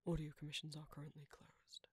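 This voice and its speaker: A man, an ASMR creator, reading a scripted channel outro in a soft-spoken way. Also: on the high side, completely flat delivery, a little fast, slightly rough, no echo.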